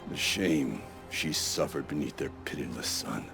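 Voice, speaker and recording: An actor playing a grave, battle-worn tribal warrior in a video game, speaking in solemn, terse, weighty phrases with a gravelly voice. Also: male voice, very deep voice, measured pace, exaggerated voice. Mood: grave, bitter. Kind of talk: dramatic video game cutscene acting. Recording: music under the voice.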